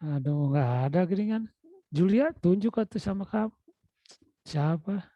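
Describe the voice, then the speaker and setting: This lecturer teaches online with a Sundanese-influenced Indonesian accent, coaxing his students and calling to them over and over. His voice sits high and moves at a normal speed, with no room sound. The video call audio is dull and lo-fi.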